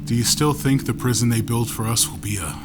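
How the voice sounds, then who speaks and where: An actor playing a bitter, sardonic rebel prisoner in a science fiction audio drama, wry and resigned. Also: male voice, medium pitch, fairly quick, over loud music, close to an everyday voice.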